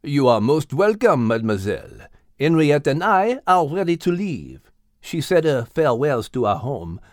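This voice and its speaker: A man's voice: on the high side, very animated, moderate pace, no room sound, studio quality. A man voicing a courteous, strutting rooster in an animal story. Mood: courteous, wistful.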